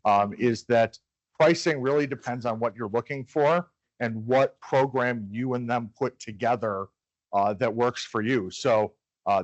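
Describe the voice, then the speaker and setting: A man's voice: mid-range voice, no room sound, muffled recording. A man moderating a live business panel, setting up questions for the speakers. He stumbles and repeats words before settling into his point. His voice sounds dry and close. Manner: hesitant, repeats words while framing questions. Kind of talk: panel discussion. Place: event room with live audience.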